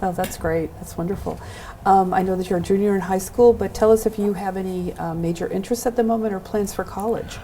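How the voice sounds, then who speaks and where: A woman's voice: medium pitch, a little fast, dark tone, slight background noise. A woman hosting a local access television show, introducing guests and asking them encouraging questions. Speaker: host.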